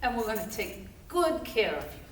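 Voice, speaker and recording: A woman's voice: on the high side, sing-song, normal speed, a little hiss or hum. A woman acting out a doting middle-aged Jewish foster mother who gushes in a sing-song way, on an echoey stage heard from a distance. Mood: gushing. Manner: gushing, affectionate, sing-song.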